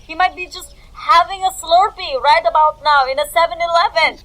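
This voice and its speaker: A woman with a very high, sharp and bright voice improvises in character for a tabletop roleplaying show. She sounds indignant and sassy. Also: steady tone, moderate pace, low-quality recording. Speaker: player in a tabletop roleplaying podcast.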